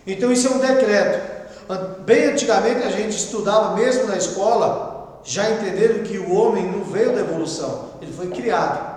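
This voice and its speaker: A Brazilian man teaching a Bible class as pastor, reading a text and explaining it in a conversational way with quiet asides. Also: high voice, brisk. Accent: Brazilian Portuguese. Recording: echoey room with long reverb.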